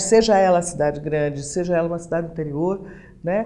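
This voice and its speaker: A woman speaks with audible room echo. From São Paulo, Brazil, Minas Gerais family. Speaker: poet, author. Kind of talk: interview. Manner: halting, repeats words.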